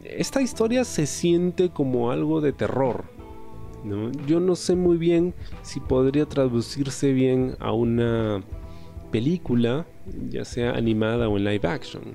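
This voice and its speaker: A man's voice: medium pitch, lively intonation, measured pace, creaky, warm tone, soft background music. A man reviewing a graphic novel in a casual, reflective way, often tagging his points with questioning asides and a few hesitant fillers. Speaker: comic book reviewer.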